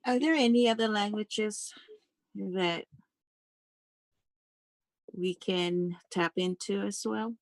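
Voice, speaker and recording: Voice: mid-range voice, slow, creaky, pauses often, no echo, poor audio. A board trustee speaking up at a public meeting over a video call, earnest and insistent, repeating key phrases.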